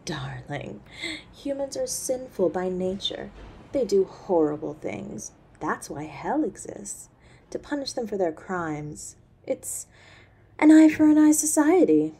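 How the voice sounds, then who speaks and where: A woman's voice: mid-range voice, sing-song, slow pace, warm tone, husky, exaggerated voice. A woman playing a cruel, imperious centuries-old succubus mother in a scripted audio roleplay, mocking and menacing. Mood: scornful.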